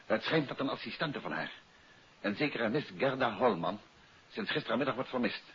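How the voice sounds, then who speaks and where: A man acting a self-assured, courteous detective in a 1950s radio mystery serial, polite, brisk and composed. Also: medium pitch, expressive, fairly bright tone, lightly acted. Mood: composed, businesslike. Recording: hissy, muffled old radio recording.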